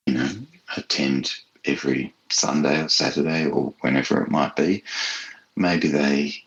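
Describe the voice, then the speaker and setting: A man being interviewed as an author, speaking in a thoughtful, measured and hesitant conversational way. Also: extremely low pitch, fairly bright tone, muffled recording.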